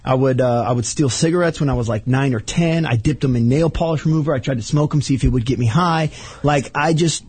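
Man around thirty, open and confessional, mid-pitched husky voice. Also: fast, a little mellow, dry recording. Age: 30s. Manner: candid, confessional, many "like"s. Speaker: guest. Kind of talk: casual chat, storytelling.

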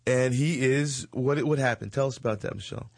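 This forties-aged chat show host has a mid-range voice and talks briskly over slight background noise. He rambles and jokes casually, with plenty of fillers and frequent laughter.

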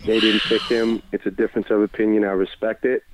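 A man calling in to a sports talk show by phone, chatting casually in a relaxed, mellow manner. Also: fairly low pitch, fairly quick, background noise. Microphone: phone call. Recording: tinny, narrow-band phone line.

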